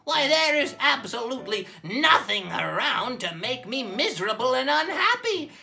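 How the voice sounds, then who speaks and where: A man's voice: very high voice, very animated, moderate pace, creaky, pushed and bright, soft background music, full character voice. A man voicing a miserable, grumbling miser puppet in a comedy show, whiny and pompously theatrical. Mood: indignant gloom.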